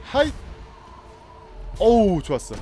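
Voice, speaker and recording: Man, gaming streamer, let's-play commentary, high voice, teasing the enemies, game music behind. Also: wildly swooping pitch, slow, mellow. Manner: playful, taunts and coaxes the enemies he fights. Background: game music and effects.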